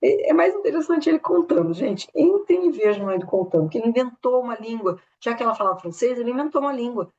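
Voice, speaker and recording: A Brazilian woman casually retelling a story at a spiritist study talk, animated, with many tag questions and restarts. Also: a little high, quick pace, hardly any pauses, muffled recording. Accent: São Paulo interior Brazilian Portuguese.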